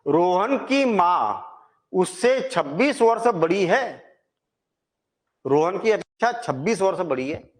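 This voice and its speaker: A man's voice: high voice, expressive, takes it slowly, long pauses. A man teaching a maths lesson, chatty and reassuring, asking questions and answering them himself.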